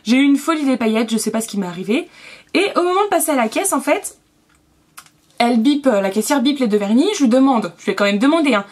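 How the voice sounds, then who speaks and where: A young woman chatting casually through a beauty haul, with lots of fillers and quick asides. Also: sits high, expressive, darkish tone. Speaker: beauty vlogger.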